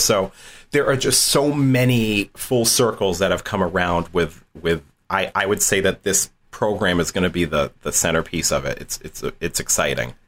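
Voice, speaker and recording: A fairly low-voiced man from southeastern Massachusetts talks as a guest on an interview. He tells his stories with animation, often breaking into laughter and doubling up his words. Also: a bit bright. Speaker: college dean, interview guest. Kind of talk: casual interview storytelling.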